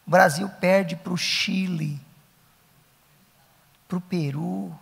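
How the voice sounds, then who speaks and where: Emphatic high-voiced Brazilian pastor, gravelly. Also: male voice, steady tone, extremely slow, fairly bright tone, long reverb tail. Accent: Brazilian Portuguese. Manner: emphatic, repeats key phrases. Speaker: pastor teaching Sunday school teachers. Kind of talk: conference lecture.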